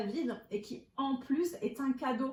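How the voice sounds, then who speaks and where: Her voice sits at a high pitch with a dark, mellow tone, and the woman uses ordinary pitch variation. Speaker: tarot reader. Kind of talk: tarot reading. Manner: hesitant, many fillers.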